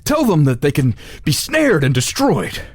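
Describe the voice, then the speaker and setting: A man's voice: fairly high pitch, wildly swooping pitch, measured pace, no echo, full character voice. Joe, a man playing a self-sacrificing hero. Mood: resolute. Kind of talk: golden-age style radio drama acting.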